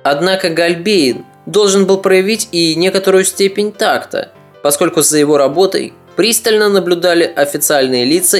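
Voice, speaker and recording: Measured narrator telling history. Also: medium pitch. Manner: measured, ironic storytelling. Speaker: podcast narrator.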